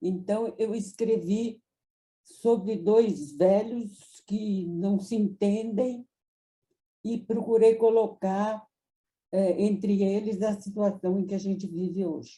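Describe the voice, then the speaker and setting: A woman with a medium pitch speaks at a very slow pace, somewhat breathy, her intonation fairly even. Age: 90s. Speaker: playwright. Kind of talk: casual chat. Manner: halting.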